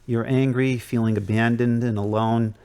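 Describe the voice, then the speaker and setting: Man playing calm catholic priest giving counsel in audio drama, measured, medium pitch. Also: smooth, natural voice. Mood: calm, advisory.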